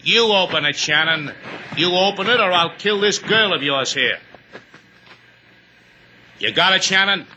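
An actor playing a greedy, mocking American gangster killer, menacing, in a vintage radio crime drama. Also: male voice, high-pitched, lively intonation, a little slow, pauses often, sharp tone, heavily acted. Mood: shouting threats. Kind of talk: 1950s radio drama acting. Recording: noisy vintage 1950s radio recording.

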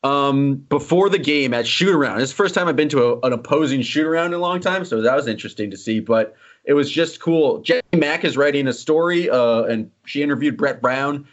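A man hosting a casual sports podcast, teasing his co-host and joking as he moves quickly through topics. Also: medium pitch. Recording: slightly dull lo-fi audio.

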